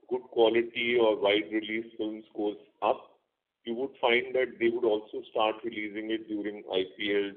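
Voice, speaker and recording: Indian man, executive, lowish voice, explanatory, assured, narrowband call audio. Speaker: company executive answering analyst questions. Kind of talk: earnings call answers. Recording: tinny narrowband conference phone line.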